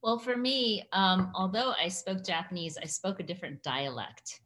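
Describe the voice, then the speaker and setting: A woman's voice: medium pitch, animated, normal speed, a bit bright. A woman in her sixties, a guest in a casual interview, telling stories and laughing often. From United States. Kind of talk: casual conversational storytelling.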